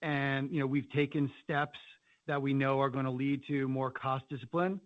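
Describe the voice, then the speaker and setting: A man's voice: mid-range voice, fairly even intonation, moderate pace, no echo. Male executive on dull conference call audio. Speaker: company finance executive. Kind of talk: answering analyst questions on an earnings call.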